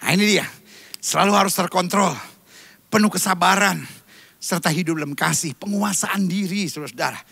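A high-voiced man preaches with gravelly, bright force into a close microphone. His voice sounds a little strained from coughing, and he swings between joking asides and sudden shouts. The sound is dry. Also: brisk, dry recording. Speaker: pastor. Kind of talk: sermon. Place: church stage.

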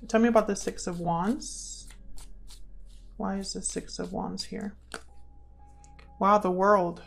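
Creaky-voiced woman giving a tarot reading. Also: medium pitch, steady tone, slow pace, faint music behind. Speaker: tarot reader and channel host. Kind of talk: casual spoken tarot reading to viewers.

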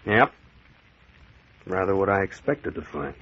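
An actor playing a cool, wry American private detective captain in an old-time radio mystery. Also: male voice, low-pitched, measured pace, exaggerated voice. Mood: brisk, determined. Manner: calm, wry, hard-boiled, insistent. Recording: muffled vintage radio recording.

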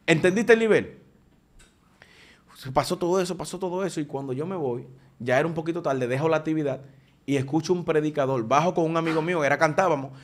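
A man tells his testimony as a preacher. His voice sits a bit high for a man. He talks in an animated, conversational way and often trips into restarts. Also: fast. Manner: animated storytelling with frequent restarts.

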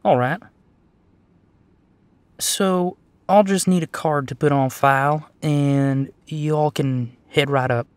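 A woman's voice: low-pitched, slow pace, darkish tone, smooth, dry recording. A woman playing a friendly, chatty hotel desk clerk in an audio roleplay, with polite, coy customer-service patter. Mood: coy cheerful.

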